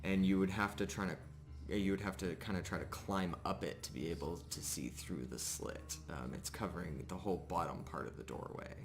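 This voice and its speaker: Over background music, a game master narrates a live tabletop roleplaying game in a deep, steady voice. He often breaks off mid-sentence while describing the action.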